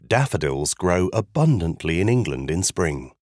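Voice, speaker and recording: A man giving a scripted educational narration about poetry, in a clear, measured explanatory way. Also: low voice, sing-song, darkish tone, dry recording, clean studio sound.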